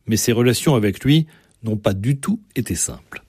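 A male radio host reading scripted narration with a measured, even delivery. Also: fairly low pitch, husky, no echo, clean studio sound. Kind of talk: scripted narration introducing the interview.

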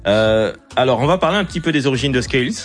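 A man's voice: medium pitch, lively intonation, fast talker, soft background music. A man hosting an interview, asking curious questions in a light manner. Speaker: interview host. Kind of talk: French-language interview questions.

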